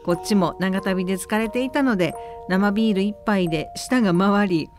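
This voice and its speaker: A woman presents on the radio, reading a listener's letter in a conversational style. Her voice sits at a middling pitch for a woman, with faint music underneath. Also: moderate pace. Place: radio studio.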